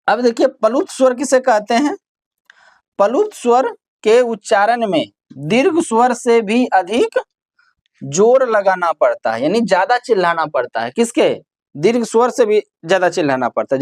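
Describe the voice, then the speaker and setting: A woman's voice: mid-range voice, darkish tone, dry recording, studio quality. A woman teaching a grammar lesson, asking her students questions and then answering them herself while repeating the key terms.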